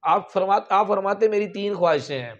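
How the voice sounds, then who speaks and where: High-voiced male preacher, emphatic storytelling. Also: animated, a little fast, lo-fi sound. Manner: emphatic, with sudden raised peaks. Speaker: religious preacher. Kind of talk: storytelling sermon.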